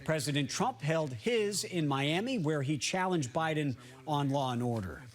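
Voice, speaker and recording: A man's voice: fairly high pitch, expressive, normal speed. A man with an American accent reading the news as a broadcast anchor.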